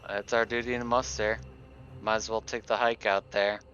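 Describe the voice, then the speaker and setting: A man's voice: fairly low pitch, flat delivery, moderate pace, a bit bright, lo-fi sound, a little hiss or hum. A man playing a tabletop game, speaking in casual, joking banter.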